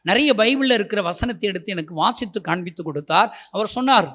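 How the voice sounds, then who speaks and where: Male revival preacher, very high and sharp voice, fiery shouted appeals. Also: lively intonation, fast. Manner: impassioned, swings from soft storytelling to shouted appeals. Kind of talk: revival sermon testimony.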